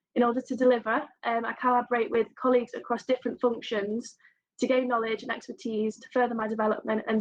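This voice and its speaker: A woman with an English accent talks at a very fast pace in a fairly high pitch. Her intonation is monotone and flat. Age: 20s. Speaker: software developer apprentice. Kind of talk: presentation.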